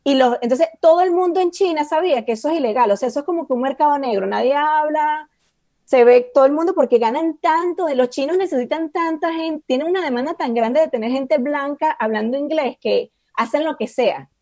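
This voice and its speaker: A woman, a podcast guest telling animated stories and slipping into English phrases. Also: high voice, a little fast, dry recording, clean studio sound. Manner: animated, mixes English phrases, acts out voices in anecdotes. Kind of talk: casual storytelling chat.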